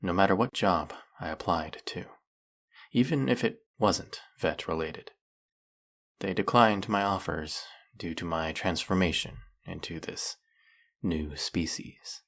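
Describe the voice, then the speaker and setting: An actor playing a snake-headed male villain in an audio roleplay, speaking in a soft, formal, measured way. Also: low voice, creaky, full character voice. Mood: bitter storytelling.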